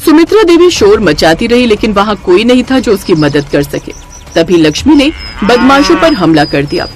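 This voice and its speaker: Lively woman narrating a cartoon story. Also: mid-range voice, moderate pace.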